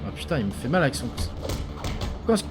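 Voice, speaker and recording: A man's voice: medium pitch, big pitch swings, fast talker. A man streaming a game live, chatting casually, reacting aloud and swearing freely as he plays. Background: game music.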